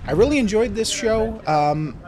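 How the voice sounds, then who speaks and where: A man's voice: high voice, expressive, normal speed, crowd noise. A man with a stuffed-up voice from a cold, chatting easygoingly as he narrates his flea market vlog.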